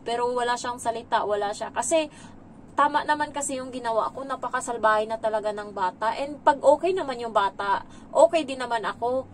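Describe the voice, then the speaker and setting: Woman from the Philippines, domestic helper, casual vlogger; talkative, drops English words, laughs often; slightly high voice. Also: slight background noise, low-quality recording. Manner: chatty, mixes English into her talk, laughs between stories. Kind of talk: casual vlog chat.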